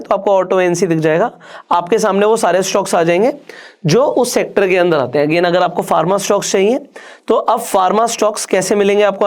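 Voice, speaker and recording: Man teaching stock trading to viewers. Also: high-pitched. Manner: conversational, addresses the viewer directly; explains step by step with rhetorical questions. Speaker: stock market educator. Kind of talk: online trading tutorial with screen walkthrough.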